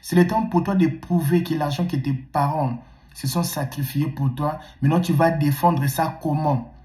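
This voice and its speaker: A man's voice: a little high, fairly even intonation, normal speed, dark tone, reverberant. A man giving emphatic, repetitive visa interview advice straight to the viewer. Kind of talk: animated advice vlog. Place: in the United States.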